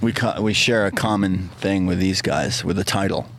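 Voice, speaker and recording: A man's voice: low-pitched, moderate pace, noisy background. A man co-hosting a radio show, chiming in with short joking remarks. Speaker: radio guest host, band member. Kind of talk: casual radio chat.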